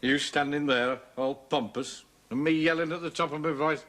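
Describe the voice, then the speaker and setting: Here the same sort of 1970s sitcom role appears: a taunting, cheeky, hard-drinking black-sheep brother, a commercial traveller, who laughs at his own gags. The actor's voice is a little high and fairly bright, with fairly even intonation and a moderate pace, close to an everyday voice.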